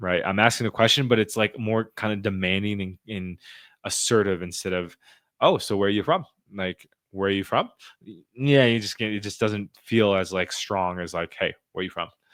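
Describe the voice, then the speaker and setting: This is an ordinary speaking voice at a moderate pace with fairly even intonation. The sound is dry and close with no echo, on a very clean recording with a silent background. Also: man, fairly low pitch for a man. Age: 30s. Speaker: dating coach. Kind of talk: video commentary. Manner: casual.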